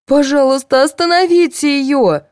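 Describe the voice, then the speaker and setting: A woman voicing a desperate young woman on trial, pleading and sobbing in a shrill, frantic voice. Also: moderate pace, a little mellow, no room sound, clean studio sound, lightly acted. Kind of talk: audiobook character voice.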